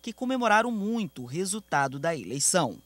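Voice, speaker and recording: A man reporting in a measured, scripted news narration. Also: high-pitched, very animated, fairly bright tone, slight background noise.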